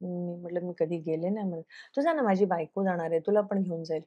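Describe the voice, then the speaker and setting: A woman's voice: lowish voice, fast, warm tone, dull audio. A woman, a television actress, tells a personal story in an interview. She acts out the dialogue she quotes and drops English phrases into her speech. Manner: earnest, recounts events by acting out quoted dialogue.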